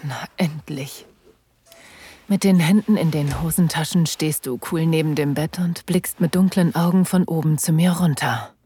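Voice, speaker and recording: A woman playing a breathy, teasing lover. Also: deep voice, warm tone. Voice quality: breathy, often whispered. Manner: teasing, slow and sensual. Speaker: first-person narrator and lover. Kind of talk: erotic audio drama.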